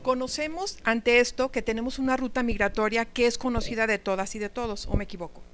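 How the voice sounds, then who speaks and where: A woman's voice: on the high side, fairly even intonation, fast talker, fairly bright tone, soft background music. A woman giving a live lecture to teachers, talking conversationally and asking the audience questions. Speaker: speaker at a teacher training talk.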